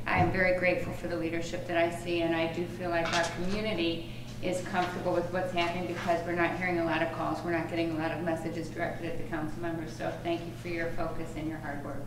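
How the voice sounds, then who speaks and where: A woman on the city council, giving earnest formal thanks at a meeting. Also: on the low side. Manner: earnest, even delivery. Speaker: council member. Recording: distant, echoey, audible room noise.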